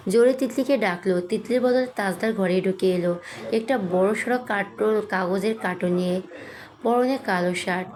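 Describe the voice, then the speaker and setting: A woman narrating a romantic audio story in a steady storytelling delivery. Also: mid-range voice.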